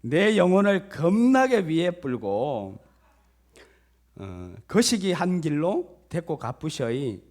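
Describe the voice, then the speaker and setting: A male pastor playing a hearty rural man reciting a psalm in a rough country dialect, loud and rustic. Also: a little high, sing-song, slow pace.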